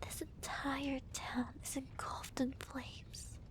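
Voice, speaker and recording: A woman playing a smug, theatrical villainess who gloats to her hero in a soft, breathy, deliberate whisper, as an ASMR roleplay. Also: sits high, level tone, rough recording. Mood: smug, gloating. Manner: slow, deliberate, teasing, theatrical.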